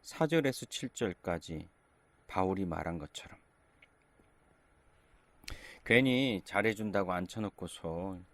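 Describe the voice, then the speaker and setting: Low-voiced middle-aged man preaching gently. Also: expressive, a little slow, long pauses. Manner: gentle, conversational preaching in short phrases. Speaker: pastor. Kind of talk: sermon.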